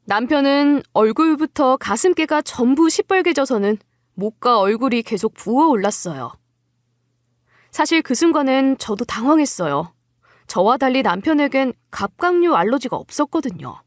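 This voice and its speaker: A woman playing a wary, quietly cunning young wife, telling her story in scripted first-person narration with composed politeness. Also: sits high, big pitch swings, moderate pace, no room sound, clean studio sound. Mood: wry, confiding.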